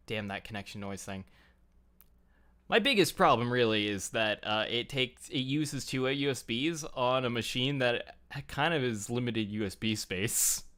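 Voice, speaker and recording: A man with a smooth, clear voice hosts a casual online hangout. His pitch moves around in an animated way as he rambles through jokey, self-deprecating asides. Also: measured pace. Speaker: host of a fan livestream talk show. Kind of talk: casual group chat. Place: home computer setup, online group call. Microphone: headset.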